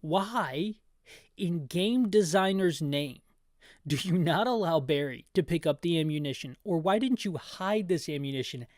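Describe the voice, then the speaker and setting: A man with a slightly high voice gives a descriptive commentary on a video game. He is chatty and wanders into tangents, often rephrasing himself with playful deadpan humor. The sound is fairly dry. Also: a little slow, no room sound. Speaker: host of a game playthrough.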